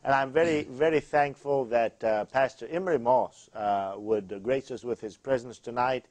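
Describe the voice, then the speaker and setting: A man from Iraq hosts a Christian studio talk show in a preacherly tone, full of "amen" affirmations and "uh" fillers. His voice sits at a middle pitch. The studio mic gives it a close, dry sound. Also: normal speed, darkish tone, no echo.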